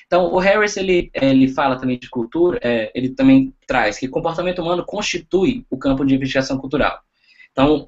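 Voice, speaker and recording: A young man giving an online lecture over slides, talking haltingly with many fillers and restarts, recorded over a video call. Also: on the high side, highs cut off.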